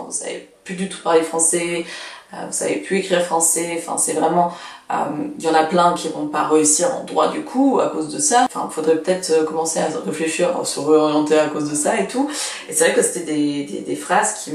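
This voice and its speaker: A woman's voice: low-pitched, fairly quick, a little mellow. Twenty-something woman, chatty and blunt, echoey room, sounds a bit far from the mic. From Russia. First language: Russian. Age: 20s. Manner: chatty, frank, lots of fillers. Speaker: vlogger. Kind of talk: casual advice vlog.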